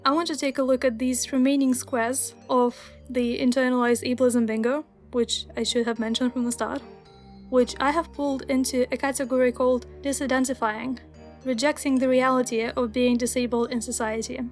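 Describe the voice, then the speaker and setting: A woman's voice: high voice, little pitch movement, moderate pace, faint music behind. A young woman whose first language is Russian, narrating a scripted video essay in an earnest, wry, explanatory way. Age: young adult.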